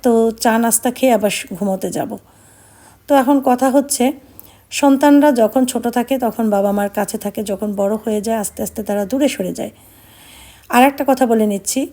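Soft-spoken sad middle-aged woman vlogger. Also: on the high side. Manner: soft, subdued and reflective. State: sad, tired. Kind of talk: casual vlog narration.

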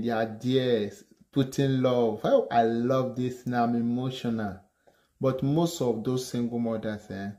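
A man's voice: lowish voice, dark tone. A man with a Nigerian accent giving opinionated commentary in a lecturing tone, slipping into Pidgin. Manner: lecturing, mixes Pidgin into English. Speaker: vlogger.

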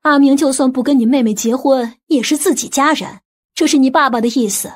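A woman voicing an outspoken, indignant woman of a wealthy family in an audiobook, sharp and challenging. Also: high-pitched, a little fast. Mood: scolding.

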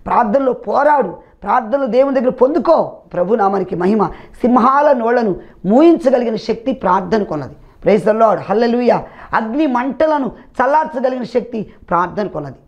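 A man's voice: high voice, dull audio. A man preaching a televised sermon with fervour, often crying out hallelujah and praise the Lord.

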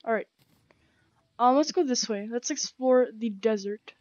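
Chatty young woman with a croaky throat. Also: fairly high pitch, a little slow, darkish tone, no room sound, dull audio. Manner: chatty, rambling, slangy with many fillers. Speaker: gaming channel host. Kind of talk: casual let's-play commentary. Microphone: gaming headset.

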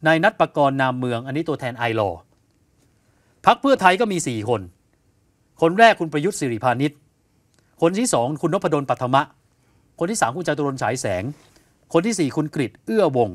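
A man co-hosting an evening news show, explaining political events in an animated conversational way, asking rhetorical questions and acting out what others said. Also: on the high side, normal speed, pauses often, dry recording. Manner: animated, asks rhetorical questions, acts out quotes. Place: television studio.

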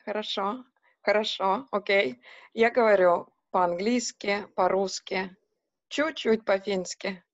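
A woman's voice: mid-range voice, slow. A woman, teaching a patient online lesson on a video call, repeating and translating phrases. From Russia. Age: 30s. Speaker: language teacher. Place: home room, on a video call. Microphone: laptop webcam mic. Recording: dull lo-fi video call audio.

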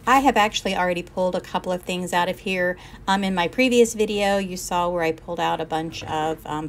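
A woman's voice: on the low side, a little hiss or hum. A middle-aged woman from Alabama chats casually while decluttering a basement, thinking aloud as she sorts. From Alabama, USA. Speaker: home vlogger. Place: cluttered basement storage room. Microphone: handheld camera filming nearby.

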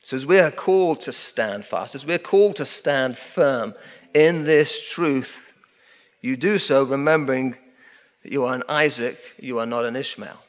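A middle-aged man preaching a sermon from a pulpit, emphatic, repeating key phrases and slowing down to press a point. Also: medium pitch. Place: church sanctuary at a wooden pulpit. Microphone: pulpit microphone. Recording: long hall reverb of a church.

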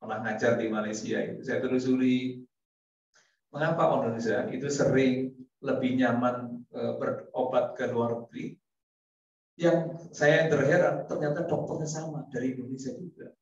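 A male preacher speaks to his congregation in a relaxed, chatty way. He laughs often and acts out conversations. The recording comes from far off in a heavily echoing hall and sounds dull. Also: medium pitch, normal speed. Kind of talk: casual sermon to a congregation. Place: mosque hall.

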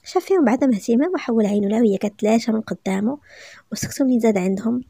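A Moroccan woman reads a romance story aloud, brisk and lively. Her voice sits fairly high and runs fast. The recording is dry and close. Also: gravelly, slightly rough, no echo.

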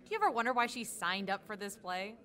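A woman's voice: medium pitch, sing-song, quick pace, fairly bright tone. A woman playing a sly, blunt teenage girl with a wry, teasing way of talking in an audio drama. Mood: matter-of-fact.

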